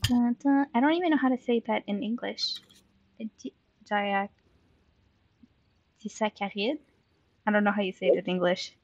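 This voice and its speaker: A woman's voice: medium pitch, moderate pace, pauses often, no room sound, highs cut off. A young woman doing casual live gameplay commentary in a giggly, gushing way, as a game streamer. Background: game music.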